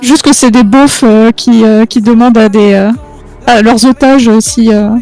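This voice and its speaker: A woman's voice: on the high side, fairly even intonation, moderate pace, warm tone, soft background music. A woman chatting casually in a gaming roleplay, slangy and hesitant.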